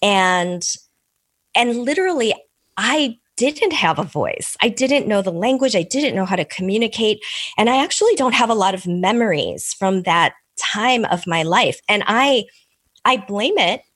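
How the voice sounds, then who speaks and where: A middle-aged Korean American woman whose first language was Korean, answering interview questions as an author in a thoughtful, measured way. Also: medium pitch, expressive, no echo, studio quality. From Korean American, immigrated as an infant. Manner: thoughtful, measured, with soft laughs and restarts. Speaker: author and podcast guest.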